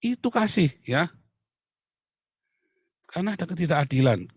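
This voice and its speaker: A man delivering an angry political rant, shouting insults and hammering points through repetition. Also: a little high, expressive, normal speed, no room sound, studio quality. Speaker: online commentator.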